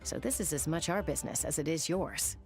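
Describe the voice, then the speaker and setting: A woman voicing a calm tribal woman in a video game cutscene who speaks in a reassuring way. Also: deep voice, brisk, soft background music.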